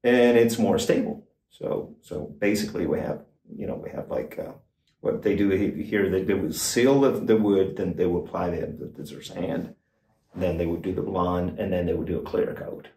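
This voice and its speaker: An older man, a guitar expert guest, explaining in a casual, halting way with many fillers and restarts, in a small backstage room. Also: low voice, fairly even intonation, warm tone, distant mic. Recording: roomy, off-mic, faint noise.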